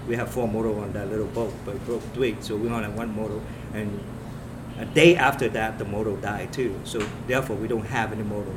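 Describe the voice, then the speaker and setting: A man from Vietnam, a police officer telling his story in an interview in earnest, halting short phrases. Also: lowish voice. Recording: noisy room with steady background hum.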